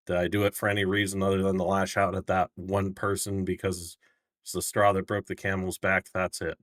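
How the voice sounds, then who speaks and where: Casting: male player as a world-weary, unrepentant fantasy prisoner, low register, blunt and resigned delivery. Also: a bit bright, no room sound, studio quality. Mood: fed up, defiant. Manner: blunt, resigned, halting confession.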